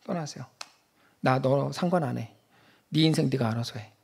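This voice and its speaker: A man preaching voices God speaking to a man, in a low, quiet, measured voice. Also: vocal fry, husky. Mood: cold. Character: God speaking, stern then fatherly.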